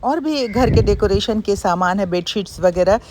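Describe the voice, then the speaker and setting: A woman's voice: mid-range voice, moderate pace, background noise. A middle-aged woman narrating a casual daily vlog in a chatty, explanatory way. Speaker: vlogger and radio broadcaster.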